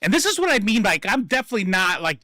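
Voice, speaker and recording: A man telling stories in casual chat, profane and animated, acting out what people said. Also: high-pitched, fast, no echo, studio quality. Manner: profane, animated, acts out quotes.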